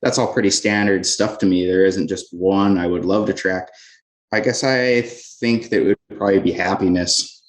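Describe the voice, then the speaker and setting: A man with a North Dakota accent speaks in a low register, with audible room echo around him. He talks casually as an interviewee, pausing and repeating himself as he forms his answers. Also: steady tone. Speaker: interview guest, business owner. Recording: roomy, echoey sound.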